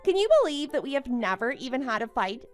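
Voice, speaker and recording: Casting: actress as smug bride-to-be for animated story drama, high and very animated, gloating and condescending. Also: female voice, fast, soft background music. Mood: boastful. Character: smug, boastful young bride who taunts her friend. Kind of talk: melodramatic animated-story voice acting.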